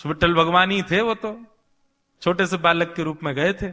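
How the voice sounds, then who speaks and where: A man's voice: high voice, normal speed, pushed and bright. A man telling a devotional Hindu story in a conversational preaching style, repeating phrases and slipping into dialogue. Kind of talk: devotional katha storytelling sermon, acting out dialogue. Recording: long hall reverb.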